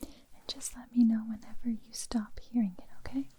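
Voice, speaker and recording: A woman performing an ASMR medical roleplay as a doctor, speaking in a soft, breathy whisper with a gentle, reassuring, unhurried manner. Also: a little high, steady tone.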